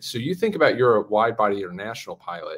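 A man talks at a very fast pace in a bright, sharp tone. His intonation is lively. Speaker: airline pilot advisor; podcast host or guest. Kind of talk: live Q&A discussion. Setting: live stream. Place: home room. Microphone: studio mic.

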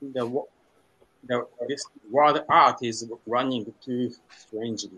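With a Japanese accent, a man speaks at a very slow pace in a bright, sharp tone, using ordinary pitch variation and long, frequent pauses. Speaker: sculptor; panelist. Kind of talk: panel discussion. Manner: halting. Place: home room. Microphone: webcam.

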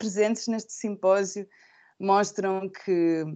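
A medium-pitched woman at a very slow pace, with ordinary pitch variation, against a quiet background. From Portugal. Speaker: philosophy professor. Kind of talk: lecture. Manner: halting, many fillers. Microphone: video call.

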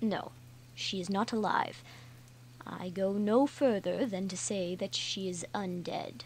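A put-on character voice, female-sounding and medium in pitch, at a fairly slow pace over clear background noise. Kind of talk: old-fashioned formal speech. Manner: solemn, commanding, measured.

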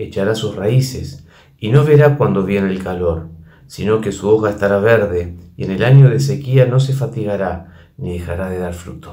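A man talks at a moderate pace against a quiet background. His voice is somewhat breathy, with a dark, mellow tone. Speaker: church minister. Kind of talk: sermon. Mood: calm, warm, measured.

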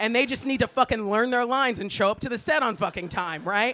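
A woman's high-pitched voice with an American accent and an animated tone. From Los Angeles, US. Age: 40s. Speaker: stand-up comedian. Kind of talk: stand-up comedy. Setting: stage with audience. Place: stage. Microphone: handheld.

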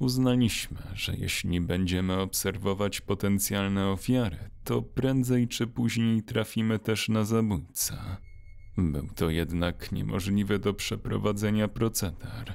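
With music in the background, a man speaks at a very slow pace in a dramatic tone, his fairly low pitch showing ordinary variation. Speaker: horror story narrator. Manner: hushed, ominous and suspenseful, with dramatic pauses and teasing asides to the listener.

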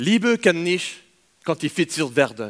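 Speaking at a very slow pace in a French accent, a man is recorded against a quiet background. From France. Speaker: physics doctoral student. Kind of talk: science slam talk. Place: stage.

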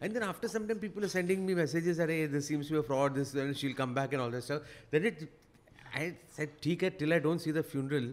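A man with a South Indian accent at a very fast pace, fairly high pitch and ordinary pitch variation. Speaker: actor. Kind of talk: casual chat. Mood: amused, animated storytelling. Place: studio. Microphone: studio mic.

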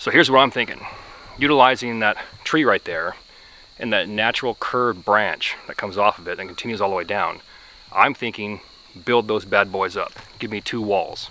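A man with an unremarkable speaking voice, fairly low in pitch with ordinary pitch variation, shows big swings in loudness in a dry sound with no echo over light background noise. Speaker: outdoor vlogger. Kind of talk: casual vlog chat. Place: forest. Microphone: phone near.

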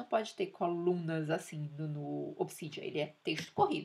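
Her pace is moderate. The woman's intonation is lively. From Brazil. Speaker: YouTuber teaching productivity software. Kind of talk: screen-recorded tutorial. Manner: casual, conversational. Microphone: webcam.

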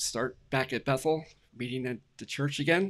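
Over a quiet background, the voice moves at a moderate pace with ordinary pitch variation. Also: man. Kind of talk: announcements to congregation. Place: street.

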